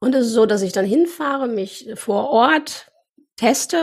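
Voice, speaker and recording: A plain, everyday voice from a woman, fairly high in pitch, with lively intonation at a moderate pace. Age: young. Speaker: clown and podcaster. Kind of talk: casual interview. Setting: video call.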